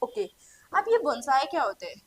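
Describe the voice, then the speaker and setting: High-voiced Indian woman teaching English. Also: very animated, fairly quick, slightly rough. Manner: asks the class questions and answers them herself. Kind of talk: exam-prep lesson.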